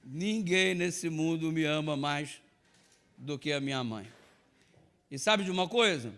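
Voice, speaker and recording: High-voiced storytelling pastor. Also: male voice. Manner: lively storytelling, swings from loud to hushed. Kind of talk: sermon with personal anecdote.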